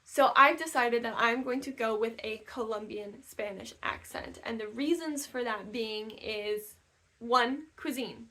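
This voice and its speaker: Young woman, higher-pitched voice, chatty language-learning vlogger at home. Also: measured pace, bright, forceful tone. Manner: chatty, with many fillers and restarts. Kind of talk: casual talk to camera. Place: new house, room not yet decorated.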